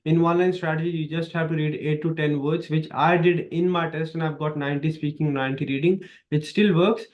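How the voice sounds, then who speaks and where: A man's voice: on the high side, brisk, muffled recording. A man in his thirties with an Indian accent, teaching exam speaking skills in an emphatic, repetitive coaching style. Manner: emphatic, repetitive coaching with lively hand gestures. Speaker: exam prep tutor. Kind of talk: instructional video lesson. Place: small dark studio, indoors.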